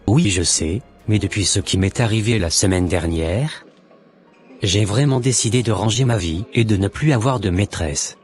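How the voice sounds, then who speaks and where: Man acting low-voiced earnest Christian brother. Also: lightly acted. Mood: firm, apologetic. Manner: preachy, formal. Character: earnest born-again Christian man, solemn and exhorting. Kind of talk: amateur Christian cartoon dialogue.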